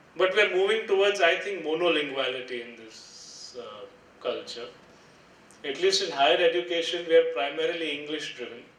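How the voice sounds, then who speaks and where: Speaking with a Gujarati accent at a moderate pace, the voice has lively intonation and big swings in loudness over noticeable background noise. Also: man, high pitch for a man. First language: Kutchi. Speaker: university head. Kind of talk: conference address. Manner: halting.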